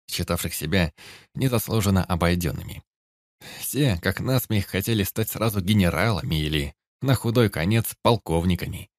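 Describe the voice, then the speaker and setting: A man reading a first-person story aloud in a steady, grave narrating manner. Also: low-pitched, no room sound, clean studio sound. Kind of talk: audiobook narration.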